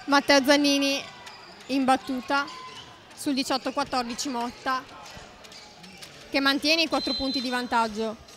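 High-voiced woman calling live volleyball. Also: steady tone, a little slow, long pauses, fairly bright tone, slight background noise. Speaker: volleyball play-by-play commentator. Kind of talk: live play-by-play sports commentary.

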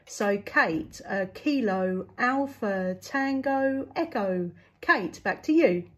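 A woman's voice: medium pitch, expressive, slow, a bit bright. A woman, working as a CB radio operator and chatting through signal reports.

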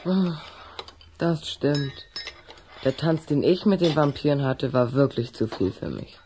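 An actor playing a puzzled, hesitant schoolboy in a German children's radio play. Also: male voice, on the high side, a little slow, a little mellow, a little hiss or hum, natural voice. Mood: wry. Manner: hesitant, questioning.

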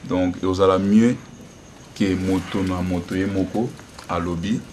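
A gospel singer answering interview questions in an earnest, appealing way. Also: male voice, low-pitched, fairly even intonation, a little slow. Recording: distant mic with loud noise.

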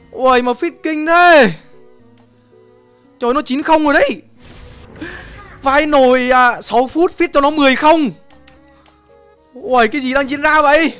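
A young man with a very high, bright voice calls out his match as he plays, exclaiming constantly and trash-talking the enemy team. Faint game music plays behind him. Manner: excitable, exclaiming, brash trash talk. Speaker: gaming streamer. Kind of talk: live gameplay commentary.

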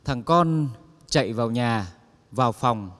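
A man's voice: medium pitch, expressive, measured pace, a bit bright, in a large hall. A man telling a string of comic stories to an audience, acting out the quoted lines. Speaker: comedian telling jokes. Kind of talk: stand-up joke telling.

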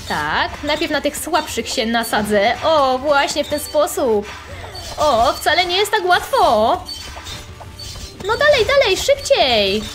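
A young woman commentating her own online game playthrough, chatty and excitable, talking straight to her viewers and making playful sound effects. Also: high-pitched, measured pace, faint music behind. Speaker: gaming channel host. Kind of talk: playful let's-play commentary.

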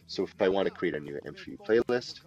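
Deep-voiced man giving a software tutorial. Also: animated, highs cut off. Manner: deliberate, instructional, explains step by step. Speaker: tutorial presenter. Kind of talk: unscripted step-by-step software walkthrough. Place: voice-over for a screen recording.

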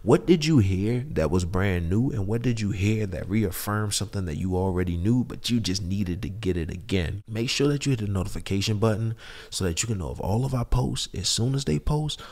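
A young adult man co-hosting a podcast, laid-back and smooth as he wraps up the episode. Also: lowish voice, lively intonation, brisk, a little mellow. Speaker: podcast co-host. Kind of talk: casual podcast chat and sign-off.

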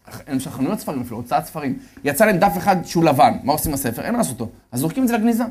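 A man lecturing on religion, telling his story in a lively way. He keeps turning to his audience and telling them to listen well. His pitch rises and falls as he acts out the people in it. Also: breathy edge. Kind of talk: storytelling sermon.

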